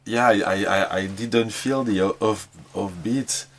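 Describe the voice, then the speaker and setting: A man's voice: lowish voice, measured pace. A man giving casual critique as a podcast guest, repeating words as he searches for the right phrasing.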